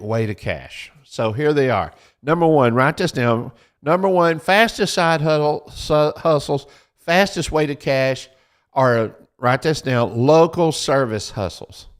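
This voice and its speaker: A man hosting a Christian show, giving practical advice in a folksy, repetitive, preaching style and urging listeners to write things down. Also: medium pitch.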